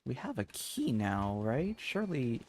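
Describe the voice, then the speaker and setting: Excitable man streaming a game. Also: mid-range voice, measured pace, slight background noise. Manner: excitable, exclaiming, chatting to viewers. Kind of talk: live gameplay commentary, reading dialogue aloud.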